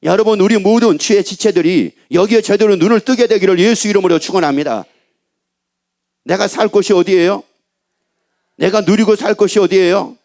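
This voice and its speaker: A man preaching a Sunday sermon as pastor, asking the congregation repeated rhetorical questions and slowing down to read scripture. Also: high voice, a little mellow. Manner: slows down to read scripture verses.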